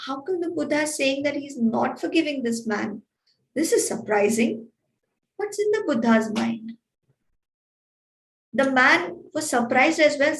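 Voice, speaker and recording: Woman storyteller, slow deliberate pace, echoey room, distant mic. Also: high-pitched, gravelly. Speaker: wellness coach. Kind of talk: storytelling talk.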